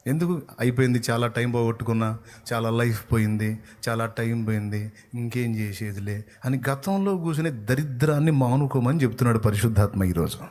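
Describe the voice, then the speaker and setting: Fiery preacher with sweeping loudness. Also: male voice, a little fast. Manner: rhetorical questions, swings from loud challenge to low earnest tone. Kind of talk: sermon.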